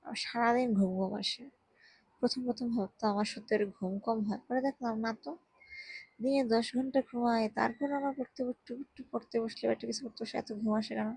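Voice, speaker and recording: A tired young woman, speaking very softly while lying down at home, giving casual health advice into a handheld mic. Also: on the high side, steady tone, quick pace, creaky, slightly rough, dry recording, low-quality recording. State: tired, drowsy. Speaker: vlogger. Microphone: handheld microphone.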